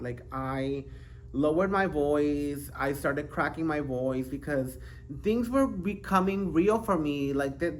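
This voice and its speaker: A man's voice: mid-range voice, slight background noise. A man hosting his own podcast alone, talking casually and rambling, interrupting himself with giggles and breaking into playful sing-song bits. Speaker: podcast host. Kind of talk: casual solo vlog monologue. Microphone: handheld microphone.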